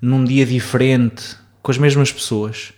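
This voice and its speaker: Man, European Portuguese accent, casual chat, thoughtful and musing, mid-pitched. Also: little pitch movement, a little slow, darkish tone. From Azores, Portugal. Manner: reflective, musing, hesitant.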